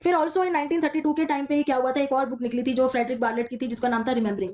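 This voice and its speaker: Woman, high-pitched, quick pace, exam-prep lecturer, step-by-step explaining. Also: fairly even intonation, a little mellow. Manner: explains step by step, reads English textbook lines slowly between Hindi explanations. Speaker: teacher.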